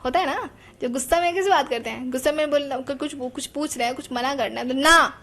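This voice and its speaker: A woman's voice: high-pitched, fast, a bit bright. A woman gives a psychology lesson. She talks in a chatty way and keeps putting rhetorical questions to her students. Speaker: teacher.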